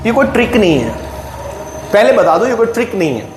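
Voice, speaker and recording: A man teaching English grammar in a classroom with an Indian accent. He explains slowly and keeps checking in with his students. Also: high voice, big pitch swings. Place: classroom with a whiteboard. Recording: echoey room with faint noise.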